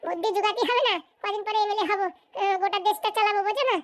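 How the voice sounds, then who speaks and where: A domineering village schemer in a comic cartoon, with an extremely high, childlike pitch and a rapid-fire rural Bengali accent. She scolds and blusters in a foul temper, recorded close and dry. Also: fairly even intonation, fairly bright tone, no echo. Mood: scheming, boastful. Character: bossy, foul-tempered, scheming village woman with political ambitions. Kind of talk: comic cartoon voice acting, colloquial dialect.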